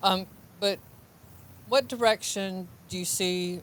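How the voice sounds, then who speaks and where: The speaker has lively intonation and talks in a Southern US accent. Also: woman. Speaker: podcast host. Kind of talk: casual interview.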